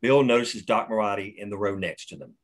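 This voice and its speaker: A man's voice: fairly low pitch, a little fast. A man reading stage directions at a script table read, plain and matter-of-fact.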